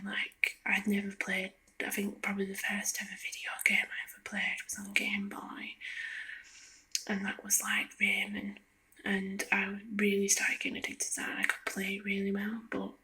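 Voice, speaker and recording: Woman, hushed ASMR whisper, unhurried pace, very flat intonation, hesitant and meandering. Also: mid-range voice. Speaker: video creator. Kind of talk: soft-spoken whispered ASMR ramble. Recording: lo-fi close whispering.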